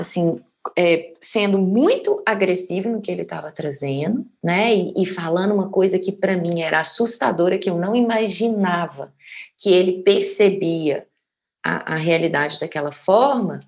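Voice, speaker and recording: A woman's voice: medium pitch, vocal fry. A woman talking earnestly about her own feelings, in a flowing way that often checks in with the listener. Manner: earnest, flowing, with frequent "né" tags. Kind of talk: reflective personal sharing.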